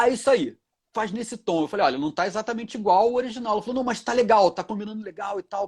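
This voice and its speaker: A man who works as a voice actor and dubbing director answers interview questions with lively anecdotes. His voice sits high and is slightly rough, and he laughs often while acting out quoted lines in other voices.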